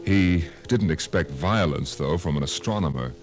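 A man's voice: a bass voice, moderate pace. A man narrating a scripted 1950s radio drama as announcer, dramatic and portentous. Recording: old radio broadcast with music.

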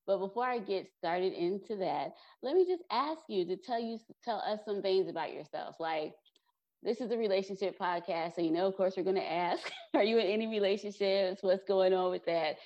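A woman's voice: mid-range voice, normal speed, darkish tone. A woman hosting a podcast, chatting casually and offering encouragement and praise. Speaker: podcast host. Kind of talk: casual interview chat. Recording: dull lo-fi audio.

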